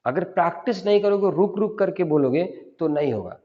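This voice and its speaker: A man's voice: high-pitched, expressive, fairly quick, long reverb tail, dull audio. A man teaching a spoken English lesson, explaining step by step and drilling phrases aloud.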